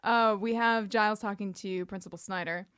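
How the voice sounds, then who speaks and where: A woman's voice: mid-range voice, fairly even intonation, normal speed, fairly bright tone, clear, resonant tone, no echo, clean studio sound. A woman co-hosting a podcast, chatting casually about a TV show in a playful, wry, rambling way full of "like". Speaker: podcast co-host.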